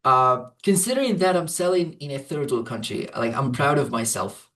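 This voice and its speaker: A man's voice: medium pitch, lively intonation, normal speed, fairly bright tone, far from the mic. A man who grew up in Saudi Arabia and whose first language is Arabic, answering interview questions hesitantly, with many fillers and restarts. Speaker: program client, English teacher.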